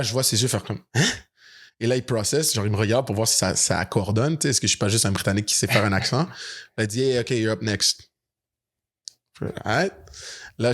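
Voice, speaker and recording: Quebec french guy, talks fast, animated, podcast storytelling. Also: lowish voice. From Canada. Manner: animated, acts out quoted lines. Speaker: podcast co-host. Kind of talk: casual storytelling chat.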